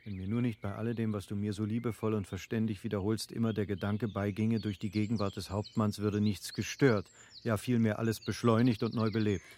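An actor in a classic German radio play playing an eager, affable middle-aged baron who argues in formal, rhetorical phrases. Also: male voice, lowish voice, little pitch movement, a little fast, few pauses, a little mellow, slight background noise, lightly acted. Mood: reasoning, hopeful.

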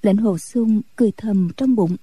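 Husky, dark-toned woman narrating a story. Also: medium pitch, moderate pace, no room sound, poor audio. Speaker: audiobook narrator.

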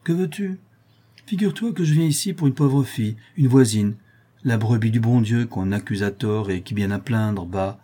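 A man's voice: medium pitch, normal speed, husky, close to an everyday voice. A man reading an audiobook aloud, voicing a cheerful, talkative young Parisian seamstress. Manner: lively, affectionate, talkative.

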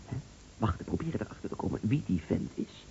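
Stammering, anxious man, wildly swooping pitch. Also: big pitch swings, fast talker, gravelly, dark tone. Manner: stammering, repeating words. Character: agitated, betrayed male confidant, anxious and indecisive. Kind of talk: radio drama acting. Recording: dull, noisy old radio play recording.

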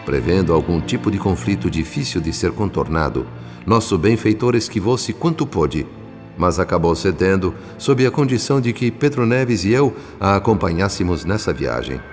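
A Brazilian actor playing a solemn spirit narrator in a radio drama, telling the tale in measured, literary diction. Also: male voice, deep voice, animated, a little mellow. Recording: long reverb, music underneath.

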